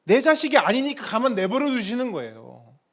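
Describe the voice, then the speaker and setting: Animated Korean-speaking male pastor preaching. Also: extremely high pitch. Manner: animated preaching with dramatic pauses and acted quotes. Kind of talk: sermon.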